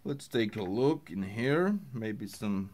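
Slow-talking man explaining gear. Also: lowish voice, animated, darkish tone, a little hiss or hum. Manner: halting, many fillers and restarts. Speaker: music gear tutorial host. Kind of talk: casual tutorial explanation.

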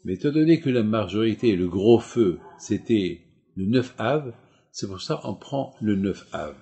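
Rabbi guy preaching, dark mellow voice, keeps repeating and asking where's the problem. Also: on the low side, animated, a little slow. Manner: repetitive, emphatic rhetorical questions. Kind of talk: sermon.

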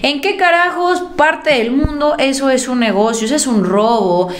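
Young Mexican-accented woman commentator, higher voice, punchy and sarcastic, echoey room. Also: moderate pace. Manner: emphatic, sarcastic, animated pitch swings. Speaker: political commentator. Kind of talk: opinionated news commentary. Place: indoor room at a desk. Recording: roomy echo.

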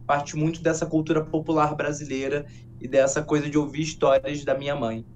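A man telling a folk tale gently and unhurriedly as a guest in a studio interview. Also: a little high, level tone, a little fast, a little hiss or hum. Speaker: guest, educator and storyteller.

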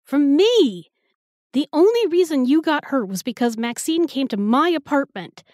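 A woman playing a guilt-ridden, protective girlfriend in an intimate audio roleplay, speaking haltingly and emotionally in a breathy, husky voice. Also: high voice, lively intonation, a little mellow, no room sound, clean studio sound. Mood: angry, distraught. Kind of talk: intimate audio roleplay acting, spoken to the listener.

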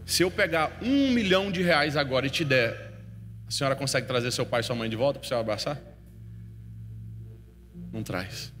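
A man preaching a sermon, telling a story with feeling and swinging from hushed to loud. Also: mid-range voice, lively intonation, moderate pace, long pauses. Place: church hall. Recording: long hall reverb with faint music.

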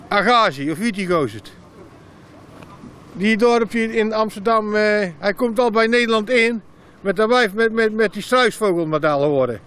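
A man in his fifties chatting colloquially as a market vendor, halting and blunt. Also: high voice, a bit bright. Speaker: market vendor being interviewed. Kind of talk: casual, colloquial chat. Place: canvas market stall outdoors. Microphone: handheld interview microphone. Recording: market stall with faint noise.

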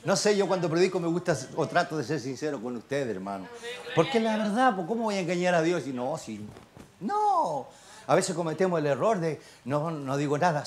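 An older man with a Chilean accent preaching a fervent sermon, swinging from quiet asides to shouted exclamations and firing rhetorical questions at the congregation. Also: on the high side. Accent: Chilean Spanish. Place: church service.

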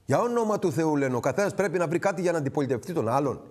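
Indignant high-voiced male TV commentator. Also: expressive, darkish tone. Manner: indignant, rhetorical, repetitive lists and direct address. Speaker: TV current-affairs host. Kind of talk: impassioned political commentary monologue.

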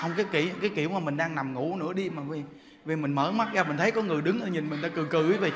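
A man's voice: fairly high pitch, very fast, long reverb tail, noisy background. A man giving a Buddhist dharma talk, telling funny ghost stories with laughter and acted-out frightened cries. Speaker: Buddhist monk teacher. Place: temple hall.

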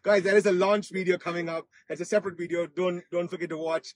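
Husky, enthusiastic man vlogging from a car. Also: high-pitched, fairly even intonation, fast talker, no room sound, clean studio sound. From Australia. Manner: enthusiastic, repeats phrases, hesitant with frequent repetition. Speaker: host of a car test-drive vlog. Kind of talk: casual excited live commentary. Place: inside a moving car.

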